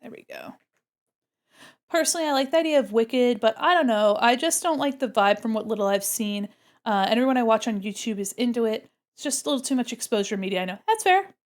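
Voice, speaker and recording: Stuffy-nosed art streamer lady, kinda high voice, chatting with chat and muttering to herself as she draws. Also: expressive, fast talker. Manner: chatty, answers chat questions, murmurs to herself while working. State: congested from a cold. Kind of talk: casual chat with viewers while drawing.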